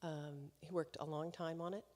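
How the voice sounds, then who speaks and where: A woman's voice: low-pitched, steady tone, moderate pace. Chatty woman hosting in a reverberant hall. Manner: chatty and warm-hearted, laughing between remarks. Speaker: concert series host. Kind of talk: live stage introduction to an audience. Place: concert hall, live event.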